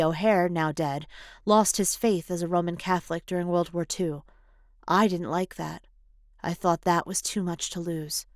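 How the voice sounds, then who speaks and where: Low-pitched woman narrating, dry close sound. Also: no room sound. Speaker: audiobook narrator. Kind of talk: scripted audiobook narration. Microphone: close studio voice-over microphone.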